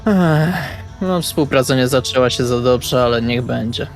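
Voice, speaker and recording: A man's voice: mid-range voice, unhurried, soft background music, close to an everyday voice. A man playing a laid-back, polite young vampire in an improvised tabletop role-play, hesitant and understated. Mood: polite, reserved.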